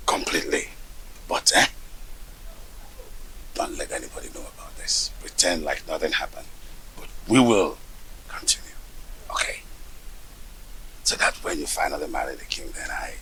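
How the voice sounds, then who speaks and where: An actor playing a scheming man who plots in hushed, conspiratorial tones. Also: rumbling low, lively intonation, normal speed, long pauses, heavily acted, low-quality recording. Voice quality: whispering, conspiratorial. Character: scheming man plotting around a king's bride.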